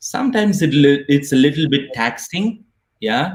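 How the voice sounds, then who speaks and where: A man with an Indian accent speaks at a moderate pace. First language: Kannada. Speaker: Franciscan friar and YouTuber musician. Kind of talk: interview. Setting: live online video interview.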